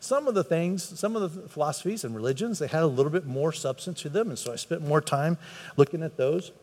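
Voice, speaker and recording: A man's voice: fairly high pitch, expressive, fairly quick, a little mellow. A man preaching a conversational sermon to a congregation, earnest and repeating words for emphasis. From United States. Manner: earnest, repeats words for emphasis, voice climbs when stressing a point. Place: church hall with a live congregation. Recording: long hall reverb.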